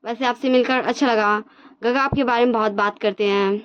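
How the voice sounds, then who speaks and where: A woman's voice: on the high side, steady tone, fairly quick, smooth, natural voice. A woman voicing a cheeky, playful younger brother prone to indignant outbursts. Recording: dull lo-fi recording.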